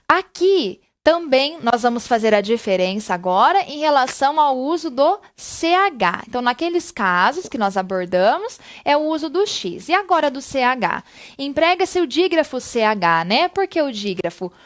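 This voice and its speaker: High-voiced woman teaching spelling. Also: sing-song. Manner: explanatory, frequent "né?" and "tá?" checks, slows on examples. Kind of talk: recorded online lesson.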